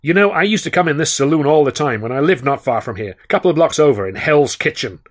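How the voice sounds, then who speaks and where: A man's voice: a little high, animated, voice pushed up. A man voicing a brash, boastful big male film producer who talks in a slangy, blustering way. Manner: blustering, fast-talking, slangy.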